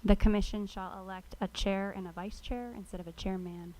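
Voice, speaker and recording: A woman's voice: mid-range voice, steady tone, brisk, dark tone, slight background noise, low-quality recording. Woman speaking at an American council meeting. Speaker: city council member. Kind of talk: deliberate public meeting remarks. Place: city council chamber.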